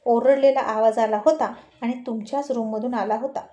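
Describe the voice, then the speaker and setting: A teasing, stern old grandfather from a spoken story, as a woman narrator puts him on, fond of ribbing his grandson and laying down the law. The voice is mellow and fairly high, recorded in an echoey room. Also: fairly even intonation, normal speed, lightly acted. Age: older. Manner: teasing, scolding.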